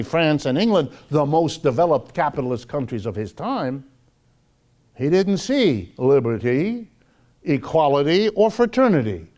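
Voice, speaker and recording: A man's voice: fairly high pitch, darkish tone. An American man giving a live public lecture in an emphatic, dramatic manner, leaning on repetition and rhetorical questions.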